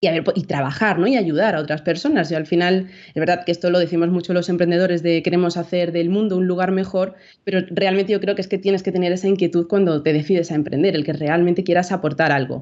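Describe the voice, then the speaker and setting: A woman's fairly low-pitched voice at a very fast pace, with fairly even intonation and very even loudness. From Spain, Seville (Andalusia). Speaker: marketing consultant. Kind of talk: interview. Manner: hesitant, many fillers.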